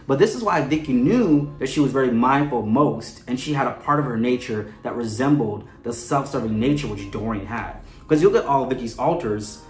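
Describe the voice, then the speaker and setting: A man hosting a podcast with casual, analytical commentary, conversational and often checking in with the listener. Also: medium pitch. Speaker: podcast host. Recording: echoey room with faint music.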